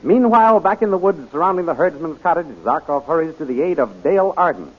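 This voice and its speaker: A man's voice: fairly high pitch, expressive, quick pace. A man announcing and narrating a 1930s radio adventure serial in a dramatic, declamatory style. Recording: dull 1930s radio recording with music.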